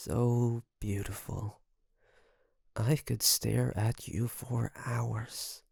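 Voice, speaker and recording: A man playing a secretly obsessive best friend in an intimate audio roleplay, coaxing and hesitant, with sighs and pauses. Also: medium pitch, flat delivery, vocal fry, a little mellow, breathy edge, dry recording, studio quality, full character voice. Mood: adoring, possessive.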